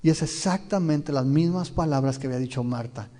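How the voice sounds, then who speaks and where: A man's voice: fairly high pitch, fairly quick, mellow. A man, a pastor teaching a verse-by-verse Bible sermon. He often asks his listeners questions and retells the scenes vividly. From Mexico. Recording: long reverb of a large hall.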